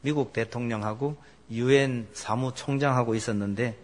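A man's voice: medium pitch, normal speed. A middle-aged man preaching a sermon as pastor, telling stories and asking the congregation questions. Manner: animated storytelling, asks the congregation questions.

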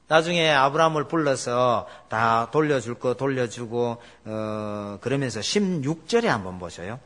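A middle-aged man preaching a sermon as pastor, telling stories and asking the congregation questions. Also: mid-range voice. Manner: animated storytelling, asks the congregation questions.

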